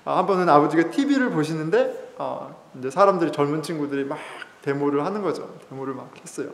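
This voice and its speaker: A man's voice: fairly high pitch, expressive, quick pace, gravelly. A male pastor giving a sermon in a church, telling stories in a conversational way with fillers and chuckles. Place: church sanctuary. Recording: echoey hall reverb.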